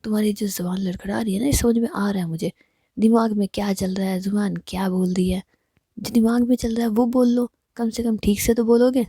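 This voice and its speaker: A woman's voice: mid-range voice, level tone, fairly quick, dark tone, husky, dry recording, studio quality. Ruhi, a sulky, teasing young woman, whispered by a woman. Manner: whispered, scolding.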